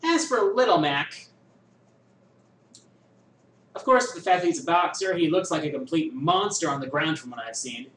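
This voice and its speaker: A man hosting a viewer question show, musing and thinking aloud with many pauses in casual chat. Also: a little high, lively intonation, fairly bright tone, far from the mic. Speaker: host answering viewer questions. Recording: echoey room, voice a bit off-mic, faint ambience.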